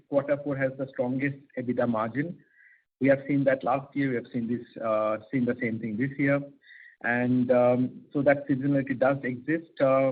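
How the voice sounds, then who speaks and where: A man's voice: mid-range voice, slightly rough. Guy doing finance commentary on an earnings call, phone sound, voice not too clean. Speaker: company finance executive. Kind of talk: earnings call commentary, partly prepared, partly off the cuff. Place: conference call over phone line. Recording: tinny, narrow phone-line audio.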